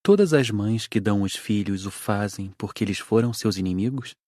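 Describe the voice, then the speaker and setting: A man's voice: fairly low pitch, moderate pace, dark tone, dry recording, clean studio sound, lightly acted. A man playing an inquiring student spirit in an audiobook. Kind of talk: scripted audiobook dialogue.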